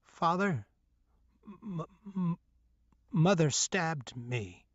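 A man's voice: fairly high pitch, no echo, muffled recording. A man doing a frightened stammering boy. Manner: stammering, halting. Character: frightened stuttering young boy.

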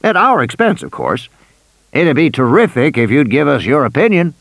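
A man's voice: a little high, big pitch swings, moderate pace, a bit bright, dry recording, pitched above the performer's own voice, exaggerated voice. A man doing a cheery, pushy old tycoon. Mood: coaxing. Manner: insistent, persuasive, coaxing.

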